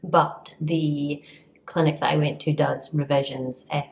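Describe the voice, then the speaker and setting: A woman's voice: sits low, level tone, unhurried, vocal fry, slight background noise. A Scottish woman chatting casually and informally to camera in an echoey bathroom, in a rambling, self-deprecating way. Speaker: vlogger. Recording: echoey tiled bathroom, slightly dull sound.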